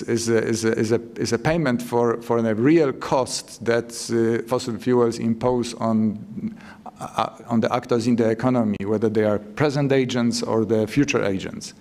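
A man on a policy panel talks in at a middle pitch. He stops and restarts often, repeating small words as he works toward his point. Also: darkish tone. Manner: halting, repeats words while building an argument.

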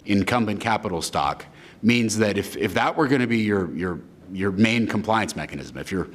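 A man with a very deep voice explains policy on a panel. He speaks in long, fluent sentences that run on without pause.

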